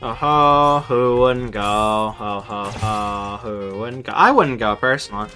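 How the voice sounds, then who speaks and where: A man's voice: lowish voice, unhurried, bright, forceful tone. A man chatting casually while livestreaming a video game, playful and rambling, often repeating his phrases. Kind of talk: casual livestream gameplay chat. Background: faint game music.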